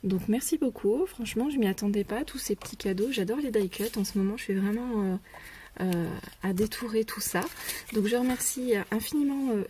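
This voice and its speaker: A woman presenting her craft shopping haul in a casual, hesitant way, with many pauses and fillers. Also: medium pitch, warm tone, slight background noise. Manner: drops to a whisper when showing items. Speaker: scrapbooking vlogger.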